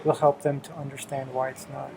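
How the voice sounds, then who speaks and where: A man's voice: medium pitch, flat delivery, fairly quick, creaky, crowd noise. A middle-aged man chatting casually and encouragingly with his teenage child as the host of a home video. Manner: encouraging, affirms often with "right" and "exactly".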